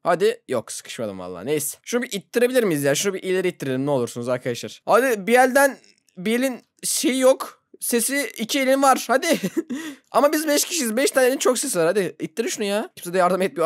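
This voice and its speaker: A gaming YouTuber giving casual let's-play commentary, excitable, laughing often and yelping when startled. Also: medium pitch, fast, no echo, studio quality.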